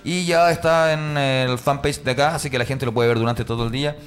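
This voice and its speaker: A man's voice: mid-range voice, steady tone, fairly quick. A man hosting a casual comedy radio show, chatting in a joking, teasing, rambling way. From Mexico. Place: online radio studio.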